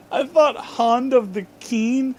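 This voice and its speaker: A man's voice: very high-pitched, darkish tone, a little hiss or hum. A man reading fan fiction aloud as a comedic dramatic reading, pronouncing the misspellings just as written and adding asides. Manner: deliberately reads misspellings as written.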